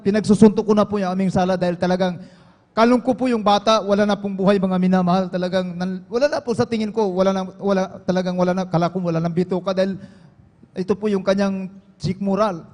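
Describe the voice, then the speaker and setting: Man from Palawan, high voice, fervent church testimony in a reverberant hall. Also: fairly even intonation, fast talker, a little mellow. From Palawan, Philippines. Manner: fervent, keeps saying "praise the Lord" and "beloved". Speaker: church member giving testimony.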